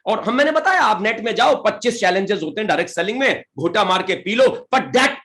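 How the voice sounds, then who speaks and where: A man with an Indian English accent giving a motivational seminar talk as a direct selling leader. He speaks slow, deliberate English, switches into rapid Hindi, and rallies his audience with questions. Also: high-pitched, animated, fairly bright tone.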